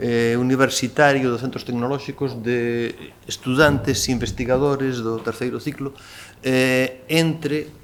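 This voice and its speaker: Here a man speaks with a Galician accent. His pace is fairly slow. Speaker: regional government official. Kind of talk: conference speech. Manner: halting.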